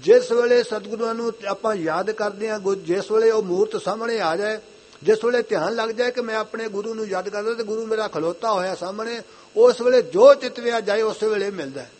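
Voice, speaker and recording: A young man with a high voice delivers an earnest Sikh sermon, circling back over his own phrases. He slows into a chanting cadence whenever he recites scripture. A faint hum sits under the recording. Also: a little mellow. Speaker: Sikh preacher.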